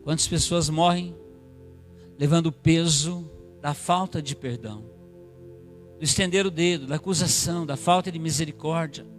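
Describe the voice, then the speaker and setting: A man's voice: fairly high pitch, steady tone, normal speed, long pauses, faint music behind. A man pastor preaching a sermon in church, reading scripture and building up with emphatic repetitions.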